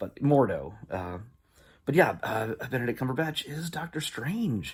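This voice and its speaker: This man's voice sits fairly high and swings very widely in pitch, with vocal fry. He speaks at a fairly slow pace. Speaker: movie reviewer. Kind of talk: casual vlog commentary. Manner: hesitant, many fillers.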